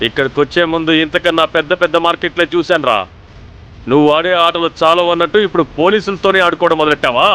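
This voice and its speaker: A man's voice: fairly high pitch, steady tone, fast talker, bright, forceful tone, smooth. A man dubbing an arrogant police officer who threatens and scorns in a film. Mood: menacing. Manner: menacing and scornful. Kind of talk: dubbed film dialogue.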